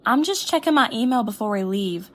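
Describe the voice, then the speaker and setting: A woman's voice: on the high side, expressive, a little fast, lightly acted. A woman playing a stubborn, anxious and gullible young twin sister in an audio drama, talking in folksy slang. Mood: defensive. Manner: folksy slangy speech with ain't and gotta.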